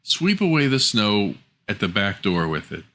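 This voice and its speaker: A man's voice: fairly low pitch, big pitch swings, normal speed, fairly bright tone. A man voicing little male dwarves in a fairy tale, direct and plain-spoken. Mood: curious.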